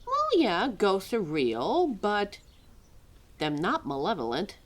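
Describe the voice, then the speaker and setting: A woman playing a quirky, exasperated, motherly keeper of forgotten lore in an ad-libbed audio roleplay, chatty and wry with halting, musing asides. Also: mid-range voice, wildly swooping pitch. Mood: informative, amused. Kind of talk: ad-libbed ASMR-style roleplay, talking to a listener.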